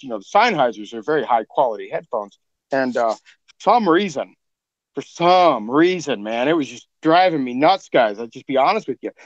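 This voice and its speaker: A laid-back man hosts a podcast chat, joking and laughing with his guests. His voice sits a little high. The sound is dry and somewhat muffled, like a remote call. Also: dry recording. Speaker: podcast host. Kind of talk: casual chat.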